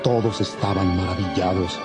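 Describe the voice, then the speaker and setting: A man narrating a dramatized audio Bible in a measured, formal way. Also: low voice, fairly even intonation, over loud music.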